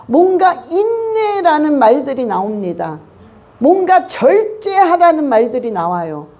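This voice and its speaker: A woman pastor delivers a sermon with a high, lively voice that swoops up and down. Her tone is mellow and warm rather than bright. She tells stories and acts out the people in them. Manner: animated storytelling, acting out quoted people. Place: church.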